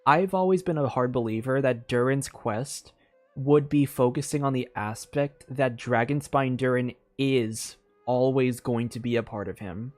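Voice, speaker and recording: A game streamer giving casual commentary, halting and repeating words while thinking aloud. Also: mid-range voice, a little mellow, no echo.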